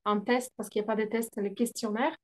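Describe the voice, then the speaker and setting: Guest: non-native French-speaking woman, business coach, higher voice, hesitant, filler-heavy delivery. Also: steady tone, a little fast. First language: not French. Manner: hesitant, many fillers, laughs often. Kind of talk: interview answers, explaining.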